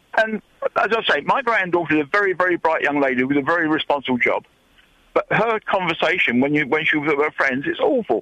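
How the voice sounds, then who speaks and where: Speaking very fast with lively intonation, a man with a high voice is captured in a dry, close sound with no echo. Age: 70s. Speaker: caller. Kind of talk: radio phone-in. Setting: phone call.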